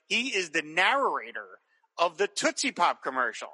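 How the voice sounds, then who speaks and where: A man's voice: on the high side, wildly swooping pitch, moderate pace, sharp tone, slightly rough, big-room sound, rough recording. A man chatting casually as a podcast co-host, enthusiastic and rambling, with many restarts. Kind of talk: casual chat reviewing old cartoons.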